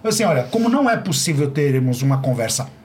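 A middle-aged man chatting on a panel, his voice rising and dipping widely as he acts out the people in his anecdotes. He has a medium pitch and talks in an easy, conversational way. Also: fast, slight background noise. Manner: animated storyteller acting out quoted dialogue.

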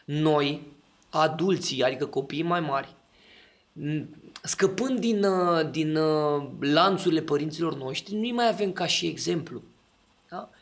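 Gravelly higher-voiced man explaining. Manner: explanatory, asks for agreement often. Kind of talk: conversational podcast talk.

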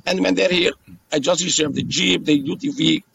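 Aruban accent guy, really gravelly voice, tour guide chatting casually, bit of background noise. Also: fairly high pitch, moderate pace, fairly bright tone. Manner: repeats phrases and checks in with "yes?". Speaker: tour guide being interviewed. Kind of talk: casual conversational explaining.

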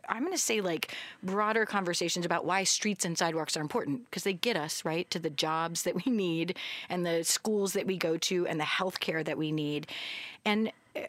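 A woman's voice: lowish voice, fairly bright tone, no room sound. Giggly, chatty woman podcast host. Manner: giggly, chatty, many fillers. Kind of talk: casual interview chat.

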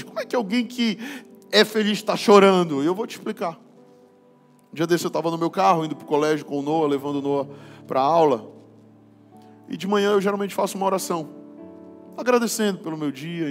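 A man pastor with a Brazilian Portuguese accent preaching a sermon, casual and slangy, building to fervent passages. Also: fairly high pitch. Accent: Brazilian Portuguese, from Belém.

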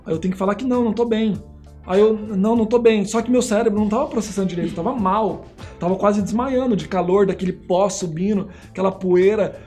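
A man's voice: sits high, quick pace, soft background music. A man with a Brazilian Portuguese accent, a missionary guest telling stories casually and acting out the voices in them. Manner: animated, acts out voices in his stories. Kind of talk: casual storytelling.

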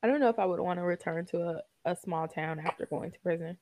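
A woman chatting casually while reacting to a show, telling stories and laughing often. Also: fast talker. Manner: animated storyteller, laughs often, acts out quotes in high voices.

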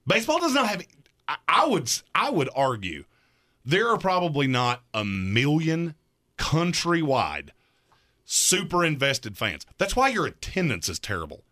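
Thirties male sports radio host, argumentative, bright and animated. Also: on the high side, measured pace. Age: 30s. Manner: emphatic, argumentative.

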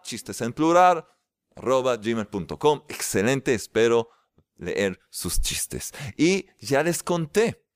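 A man giving a casual, lively spiritual lecture as a religious teacher, drawing out stressed words. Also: fairly high pitch, smooth, no echo, studio quality.

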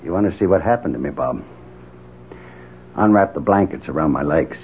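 A man's voice: sits low, animated, moderate pace, vocal fry. An actor playing an injured, guarded, bitter man in a 1970s radio drama. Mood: suspicious, bitter. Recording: tinny old radio broadcast with noise.

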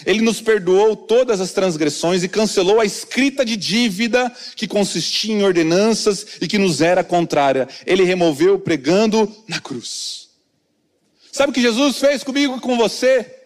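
High-voiced preaching pastor in a reverberant church. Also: male voice, lively intonation, normal speed. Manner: earnest preaching, drops to soft low tones for emphasis. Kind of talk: sermon. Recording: long hall reverb from a church.

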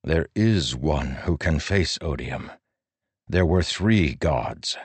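A stern, burdened warlord, read by a man, blunt and grave in a very deep, rumbling voice. He speaks in slow, measured phrases. The sound is close and dry, with no room around it. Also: lively intonation, slightly rough, no echo, exaggerated voice. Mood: firm. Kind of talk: audiobook character voice.

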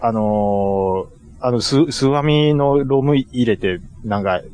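A man's voice: medium pitch, takes it slowly, darkish tone. A man with a Kansai accent, co-hosting a casual podcast chat, joking and apologizing playfully. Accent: Kansai Japanese. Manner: playful, jokey, polite to the host. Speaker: podcast co-host.

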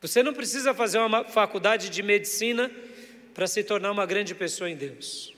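In a church hall with noticeable reverb, a male pastor with a high, bright, lively voice preaches a little fast. His sermon is emphatic, with key words drawn out and direct questions aimed at the congregation.

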